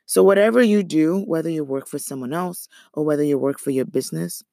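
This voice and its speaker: A woman hosting a motivational solo podcast, talking in an earnest, encouraging way with a slightly hoarse, raspy voice and repeating phrases for emphasis. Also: sits low, fairly quick, mellow, no echo, clean studio sound. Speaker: podcast host.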